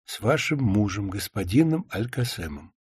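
Woman lawyer voiced by a man, insistent questioning, audiobook, husky, dry close sound. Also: fairly low pitch, very animated, moderate pace, darkish tone, dry recording, voice pushed down. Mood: pressing.

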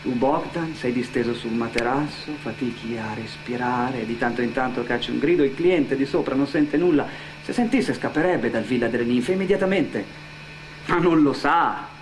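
A man's voice: medium pitch, normal speed, slight background noise, low-quality recording. A man narrating a dramatic theatre monologue for radio in a declamatory way, addressing his character directly. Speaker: narrator and performer. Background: music.

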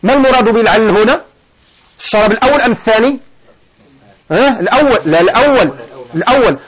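In a classroom lesson on a grammar poem, a sheikh covers Arabic verb forms, quizzing students and supplying the answers himself. He talks fast in a very high, slightly rough voice, and the recording sounds dull.

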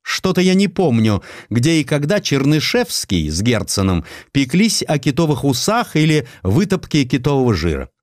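An actor voicing a suspicious, sarcastic aristocratic count in an audiobook, speaking in a pointed, sceptical way. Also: male voice, medium pitch, very animated, moderate pace, hardly any pauses, no room sound, studio quality, voice pushed up, lightly acted. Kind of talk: acted dialogue in an audiobook.

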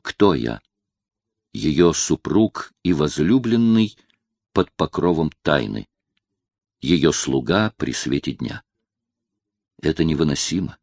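A man's voice: rumbling low, expressive, slow pace, gravelly, long pauses, darkish tone, no echo, exaggerated voice. A man voicing a proud, tormented young nobleman plotting in secret, in an intense, declamatory audiobook reading. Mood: brooding.

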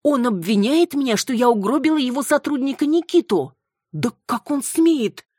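A woman's voice: fairly low pitch, brisk, mellow, breathy edge, no echo, clean studio sound, voice pushed up. A woman voicing an indignant young woman. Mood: outraged. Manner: indignant, exclaiming. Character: flustered young woman, quick to outrage.

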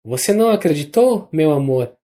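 The narrator voicing an adult noblewoman mother, soft and choked with tears, with a Brazilian Portuguese accent. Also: mid-range voice, animated, moderate pace, close to an everyday voice. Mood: tender.

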